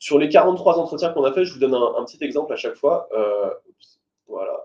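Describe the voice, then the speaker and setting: His tone is dark and mellow. This man talks fairly quickly. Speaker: training consultant presenting research. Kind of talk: webinar presentation. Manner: fast; hesitant, many fillers.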